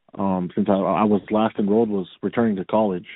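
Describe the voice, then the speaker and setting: A man speaks with an American accent at a moderate pace. His pitch sits fairly low. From Texas, Leander Cedar Park area. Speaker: diesel mechanic. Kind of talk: casual chat. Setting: at home. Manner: halting.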